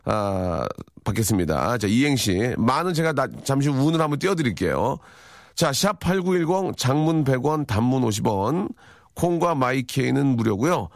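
A man's voice: medium pitch, big pitch swings, moderate pace, vocal fry, dry recording, clean studio sound. A middle-aged man hosting a radio show, chatting playfully and acting out quoted lines for laughs. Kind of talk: morning radio talk. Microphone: studio microphone.

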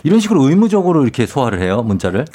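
Fast-talking radio guy, teasing, voice jumps around a lot. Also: mid-range voice. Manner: quick-talking, teasing, lively. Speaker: guest radio host. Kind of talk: casual radio chat.

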